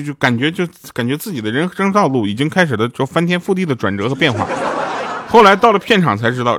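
A man's voice: fairly high pitch, noisy background. A man who voices radio dramas, telling funny stories in a casual, chatty monologue and laughing at his own punchlines. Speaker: radio drama voice actor promoting his show.

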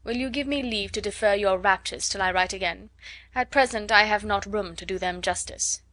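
A proud, reserved gentleman speaks in curt, measured sentences, coolly dissecting every point. A woman reader voices him close and dry, storybook style. He never warms. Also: medium pitch, dry recording, lightly acted.

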